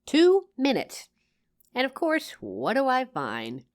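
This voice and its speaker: A woman's voice: high-pitched, takes it slowly, heavily acted. A woman playing a loving, teasing working wife, tired after work, in an affectionate roleplay addressed to the listener. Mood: exasperated. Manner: affectionate, playful, expressive.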